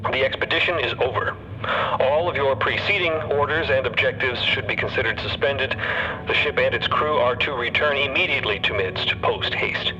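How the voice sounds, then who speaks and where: Male actor as fussy bureaucrat, forceful sharp tone, officious, dull call audio, faint noise. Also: mid-range voice, close to an everyday voice. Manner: officious, flustered, emphatic. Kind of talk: audio fiction podcast acting.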